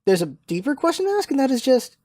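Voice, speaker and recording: High-voiced, animated, mellow man. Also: fast, no room sound, studio quality. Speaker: podcast host and gaming content creator. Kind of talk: casual podcast chat while gaming.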